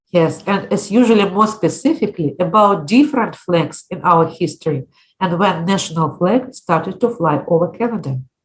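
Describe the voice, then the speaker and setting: The speaker sounds somewhat breathy, using lively intonation at a moderate pace with hardly any pauses. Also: woman, medium pitch for a woman. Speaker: podcast host.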